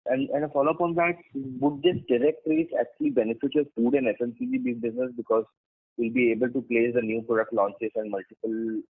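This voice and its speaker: A man's voice: mid-range voice, big pitch swings, brisk, gravelly. A man, an analyst, asking follow-up questions on an earnings call, precise and inquisitive. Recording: tinny phone line.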